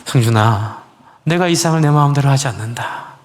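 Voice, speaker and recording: A male pastor voicing God as a gentle, fatherly speaker who explains calmly within a sermon story. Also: medium pitch, fairly quick, long reverb tail, natural voice. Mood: tender.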